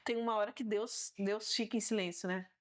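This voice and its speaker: A woman's voice: mid-range voice, fairly even intonation, fairly quick. A woman with a Brazilian Portuguese accent, a guest on a talk show, sharing her faith testimony and acting out her own past words as she tells it.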